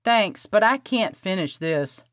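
A reserved young wife, read by a woman narrator in close to her own voice, giving short, quiet answers. The recording is dry and slightly dull. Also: mid-range voice, expressive, measured pace, no echo. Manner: quiet, brief replies.

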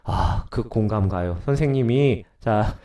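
A man's voice: fairly low pitch, a little slow, mellow, distant mic. A middle-aged man with a cold and a stuffy nose, teaching English grammar to middle schoolers in a recorded lecture, chatty and answering his own questions.

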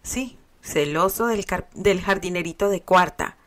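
A woman's voice: fairly low pitch, a little slow, a bit bright. Terry: tender teasing young man, read by a woman, storybook reading.

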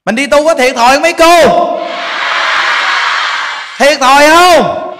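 A man's voice: extremely high pitch, slow pace. A man giving a folksy Dharma talk to a temple congregation, coaxing them with questions. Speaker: Buddhist monk teaching. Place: large temple hall with congregation. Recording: long hall reverb, faint noise.

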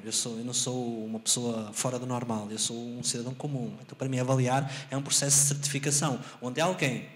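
A man in his thirties with a European Portuguese accent, a math teacher giving an expansive answer on a handheld mic in a university auditorium. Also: medium pitch. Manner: expansive, explanatory, asks if understood. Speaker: invited speaker, math teacher. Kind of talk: lecture answer to audience. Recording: roomy auditorium sound.

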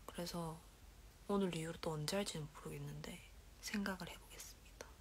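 A young woman in her twenties speaks a little fast in a lowish voice with a steady tone, against a noisy background. Hosting an idol livestream from a dim bedroom with her phone at arm's length, she reads comments aloud and chats casually in a Korean regional accent. Her soft-spoken delivery keeps drifting into whispers and giggles.

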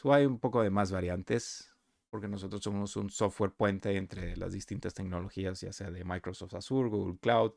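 A man talking conversationally and explaining step by step over a screen recording of a software walkthrough. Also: on the low side, creaky, dry recording, studio quality. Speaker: software reviewer.

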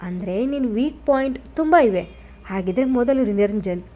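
A woman's voice: on the high side, animated, moderate pace, lo-fi sound, lightly acted. A woman voicing a sneering scheming father-in-law. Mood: mocking threats. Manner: sarcastic, mocking, threatening.

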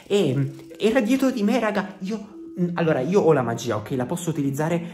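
A young man vlogging at home, talking excitably and jumpily straight to his viewers in an acted comedy vlog. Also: a little high, moderate pace. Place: home, indoors.

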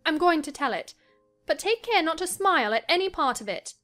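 A woman playing a willful, troubled young gentlewoman in a dramatized audiobook, earnest and dramatic. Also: very high voice, very animated, a little fast, pitched above the performer's own voice, exaggerated voice. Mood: troubled, confiding. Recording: music under the voice.

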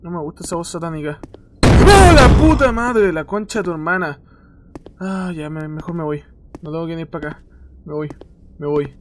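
Jumpy, high-pitched young Chilean gamer. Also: male voice, little pitch movement, a little fast, very noisy. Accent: Chilean Spanish. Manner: swearing often and yelping in fright. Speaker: gaming youtuber. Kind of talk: horror game let's play commentary.

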